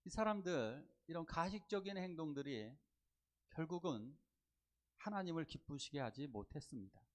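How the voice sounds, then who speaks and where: Male pastor, slightly high and very animated delivery, sermon with acted asides. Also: moderate pace. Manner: animated, acts out quoted voices, asks the congregation questions. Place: church sanctuary.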